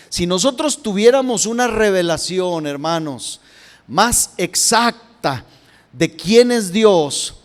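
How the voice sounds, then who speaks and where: Male pastor, high voice, unhurried sermon delivery, big reverberant church sound. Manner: addresses listeners as brother, rising and falling emphasis. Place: church hall.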